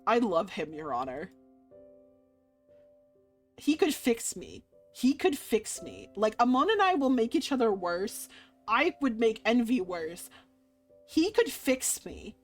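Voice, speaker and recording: Expressive woman reading a visual novel. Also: on the high side, takes it slowly, pauses often. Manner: expressive, playful. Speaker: game streamer. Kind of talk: dramatic read-aloud of visual novel with casual commentary. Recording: music playing underneath.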